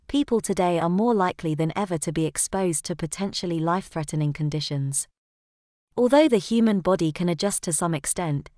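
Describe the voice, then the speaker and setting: Lowish-voiced woman reading aloud, dry sound. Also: darkish tone, dry recording. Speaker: model reader for an English test lesson. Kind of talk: scripted read-aloud of exam practice text.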